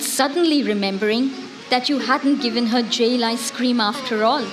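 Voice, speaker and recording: Woman reading as devoted wife, high voice. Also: natural voice. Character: devoted, brave wife and mother writing to her jailed husband. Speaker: dramatic reader. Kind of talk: staged dramatic reading of letters. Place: live literary festival event in a garden. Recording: faint background noise, live festival stage.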